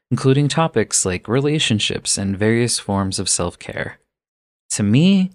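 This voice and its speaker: A man's voice: mid-range voice, no room sound. A man hosting a podcast, reading an upbeat intro and then interviewing a guest, laughing easily. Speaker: podcast host.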